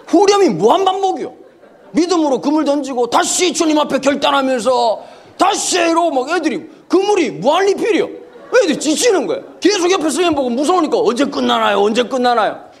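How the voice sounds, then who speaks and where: In a church sanctuary, a male pastor delivers a humorous sermon lecture in a very high voice. He's animated and comic, acting out the voices of the people he quotes.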